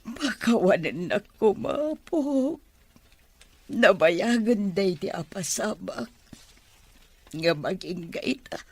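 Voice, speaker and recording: A woman plays an emotional old Ilocano grandmother in a drama. She is husky and halting, with swooping pitch and sighing, remorseful delivery. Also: animated, dry recording. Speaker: voice actor in an audio drama. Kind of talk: sentimental radio-style drama acting.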